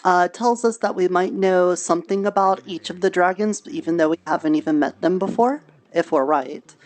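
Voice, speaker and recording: A woman's voice: on the low side, a little fast, a little mellow, lightly acted. A woman playing a friendly, chatty tailor in an improvised fantasy roleplay, talking casually with playful, cutesy word choices. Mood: earnest, explaining.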